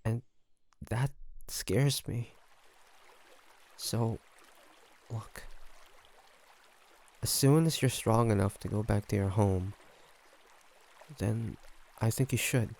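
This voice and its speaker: A man acts out a brooding yet gentle ancient male vampire in an intimate audio drama. The voice is low and full of gravelly creak. He talks very slowly and pensively, halting as if weighed down by guilt. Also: fairly even intonation, full character voice. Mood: fearful, resigned. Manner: halting, soft-spoken, pensive with sighs. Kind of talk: slow, intimate audio roleplay acting.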